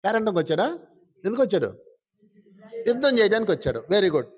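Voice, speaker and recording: A man's voice: high voice, sing-song, quick pace, husky. A male spiritual teacher speaking to a live audience in a folksy, teasing way, asking them question after question.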